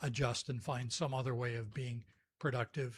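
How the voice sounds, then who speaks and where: At a fairly quick pace, a man talks somewhat breathily at medium pitch with fairly even intonation. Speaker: retired professor. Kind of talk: panel discussion.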